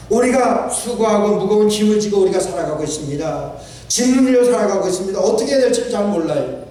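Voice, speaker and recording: High-voiced man preaching in echoey church. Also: mellow. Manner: preaching with emphatic repetition and quoted scripture. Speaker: pastor. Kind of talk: sermon. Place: church sanctuary. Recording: echoey church hall from a distant mic.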